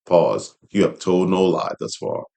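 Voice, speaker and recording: Low-pitched man hosting a commentary. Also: expressive, unhurried, gravelly, dark tone. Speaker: host reading an article aloud with commentary. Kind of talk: casual commentary with read-along asides.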